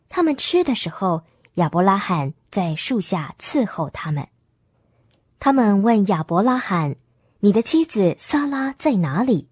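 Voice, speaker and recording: A woman narrating Bible passages in a calm, even storytelling manner. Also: medium pitch, breathy edge, dry recording. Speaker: scripture reader.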